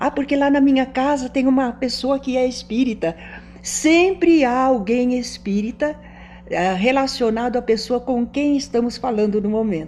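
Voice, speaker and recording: A woman with a high pitch talks at a moderate pace, her pitch varying in an ordinary way over noticeable background noise. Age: 80s+. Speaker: spiritist leader and writer. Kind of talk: TV interview.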